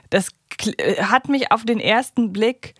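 A woman's voice: on the high side, takes it slowly, husky, no echo, studio quality. A woman co-hosting a podcast in a casual, talkative, frank conversational way. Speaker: podcast co-host.

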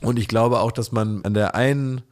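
A man's voice: medium pitch, fairly even intonation, normal speed, a little mellow. A man co-hosting a podcast in casual chat, telling ironic stories and often restarting his sentences. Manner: ironic, rambling storytelling with many restarts. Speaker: podcast co-host.

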